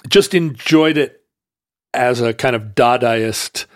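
Podcast co-host, male, mid-pitched, rambles and restarts his sentences in a dry booth. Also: no echo. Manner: halting, many restarts and fillers. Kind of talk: casual conversation.

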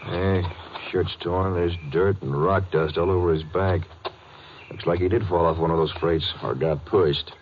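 An actor playing a matter-of-fact Texas Ranger's partner in 1950s radio drama style. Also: male voice, sits low, fairly even intonation, normal speed, lightly acted. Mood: observant, matter-of-fact. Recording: muffled, noisy old radio recording.

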